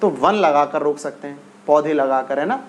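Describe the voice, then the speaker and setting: High-voiced coaxing male teacher. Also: a little hiss or hum. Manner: repetitive, coaxing, drills questions and urges quick answers. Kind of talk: exam-prep classroom lesson.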